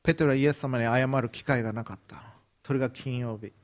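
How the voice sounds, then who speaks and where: A man's voice: medium pitch, steady tone, quick pace. A man preaching a sermon, retelling a Bible story vividly and briefly acting out the quoted lines. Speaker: pastor.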